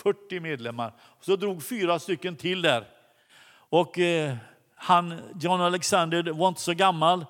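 A man preaching a sermon, telling a story with many halting restarts. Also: high voice, fairly bright tone. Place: church hall. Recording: long hall reverb.

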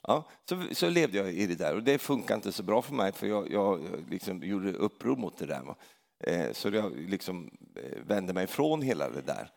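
A man's voice: sing-song, vocal fry. Preacher guy, middle-aged, chatty sermon, keeps saying va?, big echo like a church hall. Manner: conversational storytelling, tags lines with a questioning "va?"; hesitant restarts, grows loud and emphatic at high points. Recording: long reverb of a large hall.

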